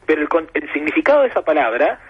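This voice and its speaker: Husky Argentine man on a phone line. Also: fairly high pitch, very animated, fast. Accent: Argentine Spanish. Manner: patient, professorial, builds points with examples. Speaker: guest expert. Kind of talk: explanatory radio interview. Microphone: telephone. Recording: muffled phone line on radio.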